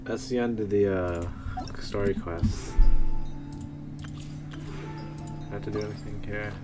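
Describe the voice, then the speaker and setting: A man's voice: on the low side, slow pace, over music. A man chatting casually as he streams a game, rambling and often repeating himself. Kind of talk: casual livestream chat.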